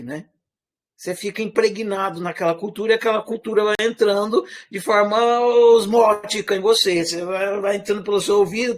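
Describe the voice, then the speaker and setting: A man with a Brazilian accent that is partly from Minas Gerais and partly rural caipira, giving an informal, animated lecture full of rhetorical questions. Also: high-pitched. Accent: Brazilian Portuguese, part Minas Gerais, part rural caipira. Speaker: teacher.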